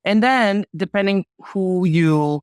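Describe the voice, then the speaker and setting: A woman's voice: medium pitch, slow pace, clear, resonant tone, no room sound, clean studio sound. A woman in her forties from Montreal whose first language is French, chatting casually and easily as a guest. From Montreal, Canada. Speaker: guest pilot. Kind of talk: casual interview chat.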